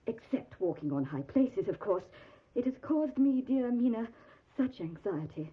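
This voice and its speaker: An actress playing a middle-aged, genteel Victorian mother in an audio drama, husky, fretful and confiding in a halting, fussy way. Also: on the high side, very animated, heavily acted. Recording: narrow phone-like audio.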